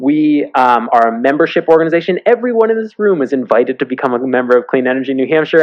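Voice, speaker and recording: Here a man speaks at a fairly high pitch. The pitch varies in an ordinary way. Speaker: energy policy advocate. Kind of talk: panel presentation. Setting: venue with live audience. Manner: fast.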